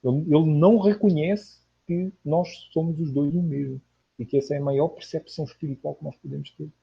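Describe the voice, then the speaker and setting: A man's voice: on the high side, steady tone, a little fast, gravelly, breathy edge. A man from Portugal with a Portuguese accent, speaking casually and earnestly as a livestream host, with emphatic repetition, on lo-fi audio. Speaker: online spiritual lecturer, livestream host. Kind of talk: casual livestream talk answering viewers' comments.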